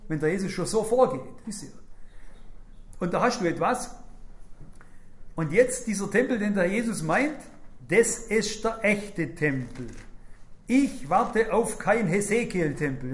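A man's voice: high voice, roomy sound. A man preaching a sermon, emphatic and speaking directly to his congregation.

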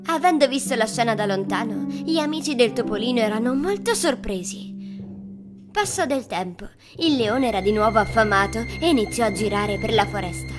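A woman storyteller reading scripted fairy tale narration for children. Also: high voice. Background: background music.

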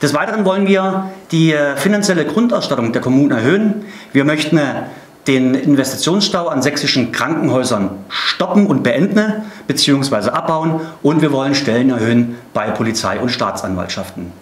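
A man's voice: medium pitch, expressive, brisk, echoey room. A middle-aged man delivering a political statement to camera as a party spokesman.

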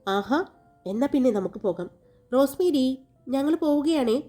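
A lively, friendly young woman, voiced by a woman storyteller, pitched well above the narration and a little louder. Soft music plays faintly behind. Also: moderate pace.

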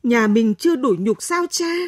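A woman reading a story aloud, voicing a defiant young pregnant student whose voice is sharp and rising. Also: a little high, expressive, normal speed, slightly rough, no echo, studio quality. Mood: defiant, bitter.

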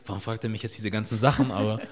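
A man in his thirties hosting a podcast, speaking in a relaxed, reflective way into a stand mic, with fillers like "so" and "ähm". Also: lowish voice, rapid-fire. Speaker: podcast host. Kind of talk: casual interview talk. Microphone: studio mic on a stand. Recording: long reverb of a bare room.

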